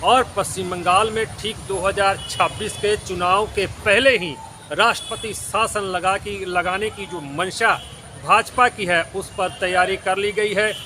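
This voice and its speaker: A male news reporter delivers his wrap-up with occasional filler pauses. His voice is quite high. Loud street and traffic noise runs behind him. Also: fairly even intonation.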